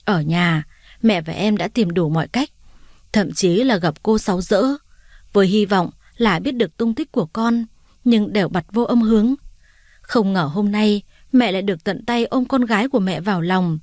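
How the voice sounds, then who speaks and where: An older mother speaks through choked emotion, voiced by a woman narrator. Her voice sits at a middling pitch. The sound is dry and close. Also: moderate pace, darkish tone, no room sound, natural voice. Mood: emotional. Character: grey-haired old mother, overwhelmed with emotion.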